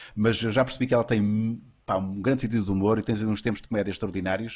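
A man speaks in a somewhat breathy voice. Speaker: podcast host. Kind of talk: casual chat.

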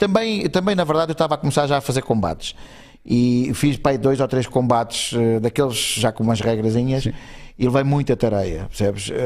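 A man with a European Portuguese accent speaks at a medium pitch and moderate pace, with lively intonation and very even loudness. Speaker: actor and comedian. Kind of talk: casual chat.

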